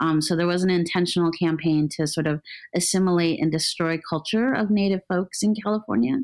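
In an American accent, a woman with a plain, everyday voice talks at a fairly quick pace with a fairly low pitch, ordinary pitch variation and very even loudness. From US Great Plains (Rosebud Reservation, South Dakota). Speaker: writer and activist. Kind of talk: interview conversation.

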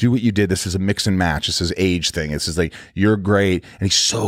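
A man's very deep, low voice, somewhat breathy, in a dry, close sound with no echo. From Indiana (born in New York). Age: 40s. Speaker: actor. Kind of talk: casual chat.

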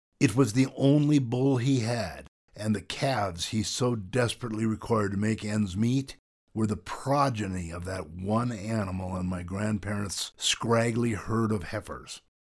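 With an American accent, a man has an ordinary speaking voice, fairly low in pitch, at a moderate pace with ordinary pitch variation. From US Midwest. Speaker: author. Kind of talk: reading aloud.

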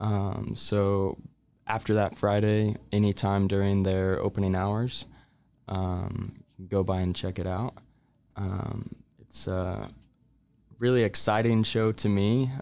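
On a very clean recording with a silent background, a man with an American accent speaks very slowly in a dark, mellow, fairly low voice, flat and monotone, with long, frequent pauses. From Texas, Waco. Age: 20s. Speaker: visual artist. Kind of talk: interview.

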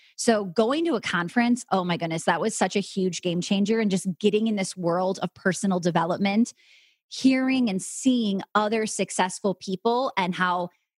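A woman with an American accent talks fairly quickly at a fairly high pitch, somewhat breathy, in a dry, close sound with no echo. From Wisconsin. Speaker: business owner and coach. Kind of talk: interview.

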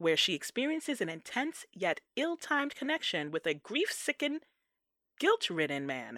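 With a New York accent, a woman talks at a moderate pace in a bright, sharp tone with vocal fry and very wide pitch swings, the sound dry and close with no echo. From the Bronx, New York City. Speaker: podcast host. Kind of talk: casual chat.

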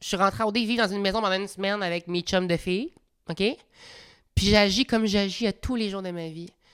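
Recorded very cleanly with a silent background and a dry, close sound with no echo, a woman speaks at medium pitch. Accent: Quebec. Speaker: reality TV contestant. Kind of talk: casual chat.

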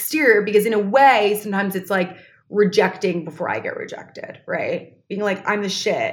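A woman speaks in an animated tone at a medium pitch, her voice somewhat breathy. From New York City. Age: 20s. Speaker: content creator and dating personality. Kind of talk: podcast interview.

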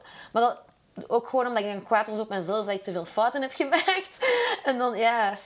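Over noticeable background noise, a woman talks fairly quickly with lively intonation and a fairly high pitch. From Belgium, Brussels. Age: 20s. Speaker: DJ. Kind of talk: casual interview.

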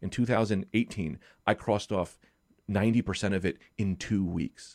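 A man's fairly low voice, a normal speaking voice with ordinary pitch variation, on a very clean recording with a silent background. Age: 30s. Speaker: stand-up comedian. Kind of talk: casual interview chat.

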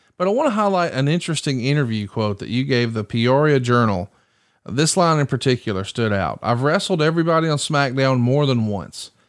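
In a plain, everyday voice, a man talks at a fairly quick pace with lively intonation on a very clean recording with a silent background. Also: medium pitch for a man. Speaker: podcast co-host and financial advisor. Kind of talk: casual chat.

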